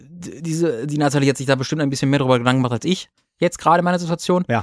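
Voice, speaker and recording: The background is quiet as a man talks. His pitch is fairly high, with ordinary pitch variation. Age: 20s. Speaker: podcast co-host. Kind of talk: casual chat.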